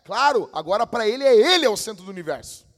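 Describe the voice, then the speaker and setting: A male pastor, preaching a fiery, slangy sermon that swings from shouts to hushed asides. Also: high voice, big pitch swings, fast talker. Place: church hall. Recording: long church reverb.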